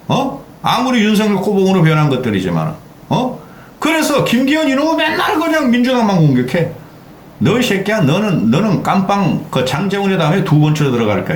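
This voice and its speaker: An older man hosting a political commentary channel, ranting angrily, swearing and constantly throwing in "eh?" between sentences. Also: very high-pitched. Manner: heated, swearing, repeatedly interjecting "eh?". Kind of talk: angry political rant. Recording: echoey room with faint background noise.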